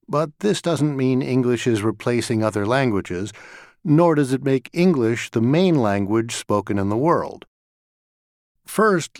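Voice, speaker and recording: A man acting as a lecturer, giving a scripted class talk in a clear, measured way, recorded in a studio. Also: mid-range voice, a little mellow, no room sound, close to an everyday voice. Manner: measured, clear explanatory delivery. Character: male lecturer talking to a class.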